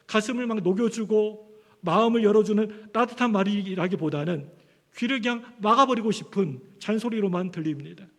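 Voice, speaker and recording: A man preaching a sermon as pastor, telling stories animatedly and acting out the voices of parents and children. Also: high voice. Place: church sanctuary. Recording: long church hall reverb.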